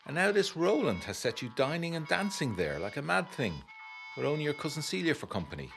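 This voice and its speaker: A man playing a troubled, educated 1920s gentleman, reading a letter to his fiancée in a gothic audio drama with formal, literary, brooding delivery. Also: on the high side, very animated, a little fast, creaky, over music. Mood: wry, longing.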